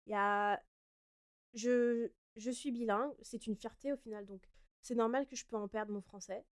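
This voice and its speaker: A woman's voice: a little high, steady tone, normal speed, clear, resonant tone. Chatty young woman hosting a podcast. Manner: chatty, hesitant, many fillers and self-corrections. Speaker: podcast host. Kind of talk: casual solo Q&A podcast.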